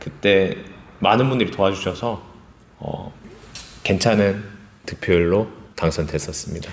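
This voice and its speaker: Long, frequent pauses break up fairly slow speech. The pitch shows ordinary variation. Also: man, fairly low pitch for a man. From Busan, South Korea. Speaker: local politician. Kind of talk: interview.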